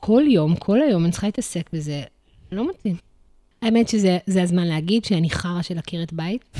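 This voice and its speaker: With music in the background, a woman of fairly low pitch speaks at a moderate pace with lively intonation. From Israel (Ramat HaSharon). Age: 30s. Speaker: dance teacher and doula, podcast co-host. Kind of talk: casual chat. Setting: home at night.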